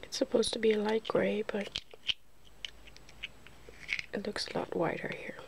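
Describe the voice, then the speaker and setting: Whispering female ASMR host, slow and soft. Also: mid-range voice, little pitch movement, vocal fry, poor audio. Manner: playful, giggly. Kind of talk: ASMR, softly narrating a face-paint makeover.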